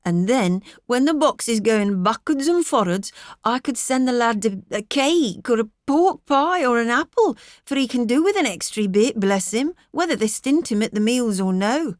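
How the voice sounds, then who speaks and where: A woman's voice: on the high side, animated, moderate pace, no echo, studio quality, voice pushed up, close to an everyday voice. A woman voicing a fretful middle-aged country wife with a rural English accent, rambling on earnestly and plaintively in an audiobook. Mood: plaintive, fussing.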